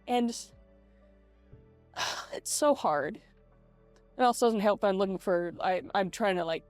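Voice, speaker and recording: Young woman vlogger, voice-changer effect, highish pitch, halting confessional chat, close dry sound over soft music. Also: no room sound. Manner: hesitant, halting, self-interrupting with repeated words. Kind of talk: casual confessional vlog talk. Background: soft lo-fi video game music.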